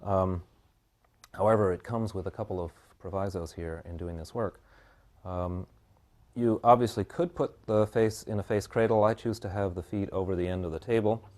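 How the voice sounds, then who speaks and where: A man teaching a hands-on bodywork class, explaining each step calmly and guiding his client's breathing slowly. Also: low voice. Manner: calm, measured explanation with slow guiding instructions. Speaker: bodywork instructor.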